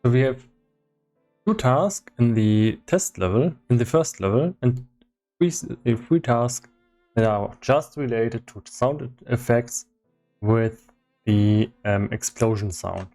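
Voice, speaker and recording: A man doing casual livestream commentary as he works on game development, thinking aloud in a halting way. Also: mid-range voice, warm tone, soft background music. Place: indoors in his own room.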